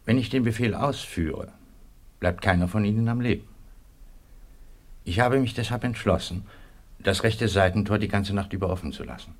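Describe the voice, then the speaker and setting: An actor playing a stern but decent colonel in a radio drama, measured, authoritative and urgent. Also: male voice, fairly low pitch. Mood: grave urgency. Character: stern, decent military camp commandant, a colonel. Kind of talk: German radio drama acting.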